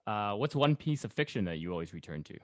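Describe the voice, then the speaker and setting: A man hosts a casual conversation at a quick pace. His voice sits a little low and is recorded dry, with no room around it. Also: very animated, dry recording. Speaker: podcast host. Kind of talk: casual chat.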